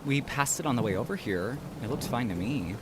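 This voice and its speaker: A man's voice: medium pitch, expressive, brisk, natural voice. Dry, sarcastic young man, acted, noisy scene. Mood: helpful, casual. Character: helpful but cheekily sarcastic young friend. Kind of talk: audio drama acting.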